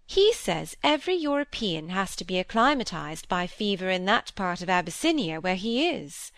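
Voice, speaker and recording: A woman's voice: medium pitch, sing-song, a bit bright, dry recording. A woman reading aloud and voicing a vain, chattering middle-aged stepmother who gushes and fusses. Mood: gushing. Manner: gushing, fussy, quick to dismiss. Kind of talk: audiobook character voice.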